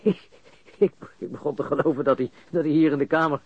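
An actor playing a baffled, cocky and coarse murder suspect in a radio crime drama, stammering and repeating words. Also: male voice, on the high side, steady tone, quick pace, husky, no room sound. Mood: mocking, relieved. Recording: dull, lo-fi radio recording.

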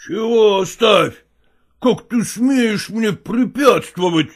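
A woman reading a story aloud, voicing a rough, bullying husband who drawls his threats slowly. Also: mid-range voice, pitched above the performer's own voice. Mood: angry threatening. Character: rough, bullying working-class husband, grown man. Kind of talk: audiobook character reading.

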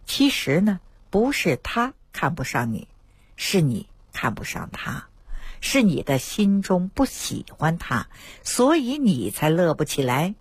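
A woman doctor, telling lively anecdotes about patients on a radio talk show. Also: on the low side, unhurried, slightly rough, dry recording. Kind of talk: storytelling health talk on radio.

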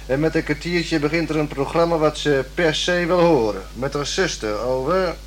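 A simple, polite young repairman played by an actor in a radio drama. He is hesitant and deferential, with a fairly high male voice and slight noise on the recording. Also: normal speed, close to an everyday voice. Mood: pleading. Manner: hesitant, plain-spoken, deferential. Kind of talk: radio play acting. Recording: slightly noisy old radio play recording.

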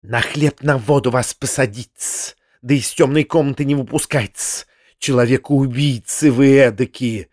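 A man's voice: mid-range voice, measured pace, darkish tone, no room sound, studio quality, lightly acted. Man as a spiteful hissing spinster. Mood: venomous. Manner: hissing, trembling with malice.

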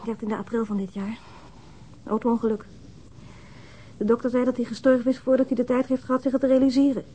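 An actress playing a guarded, halting, middle-aged widow in a naturalistic radio drama. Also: female voice, on the high side, level tone, warm tone, a little hiss or hum, lightly acted, poor audio. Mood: grieving, indignant. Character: guarded, widowed older housewife who minds children.

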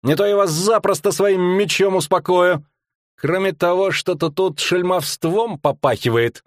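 A man's voice: high voice, a little slow, no echo, clean studio sound, pitched above the performer's own voice. A man voicing a bold, chivalrous young nobleman squire with a firm, lecturing tone. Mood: stern.

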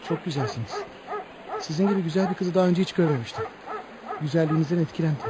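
An actor playing a smitten young tribal stranger with polite, earnest forwardness, in radio theatre. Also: male voice, fairly high pitch, very fast, background noise, natural voice.

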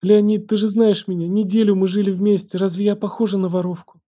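A man's voice: high voice, flat delivery, fairly quick, warm tone, pitched above the performer's own voice, close to an everyday voice. A man voicing a frightened, pleading young woman. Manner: pleading, tearful. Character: desperate frightened young woman caught stealing.

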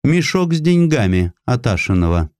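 Man playing a curt, higher-pitched skeptical ambassador. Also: sing-song, moderate pace, darkish tone, no echo, studio quality, close to an everyday voice. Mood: curt, doubting. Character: proper, skeptical male Russian ambassador. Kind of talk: character voice in audiobook narration.

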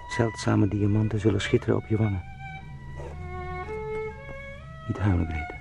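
An actor playing a weary, anguished man turned beetle in an intimate radio drama, speaking haltingly and broodingly. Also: on the low side, gravelly, full character voice. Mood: tender, halting.

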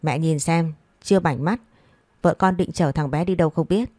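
A woman voicing a drunken, abusive middle-aged husband who scolds harshly and quickly. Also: deep voice, warm tone, dry recording. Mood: scolding. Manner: harsh, scolding, rapid-fire.

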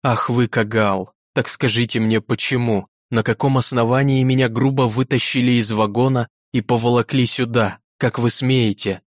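A man's voice: mid-range voice, steady tone, moderate pace, hardly any pauses, no echo, clean studio sound, close to an everyday voice. A man voicing a proud, defiant young woman on trial, speaking with indignant passion in a storybook reading.

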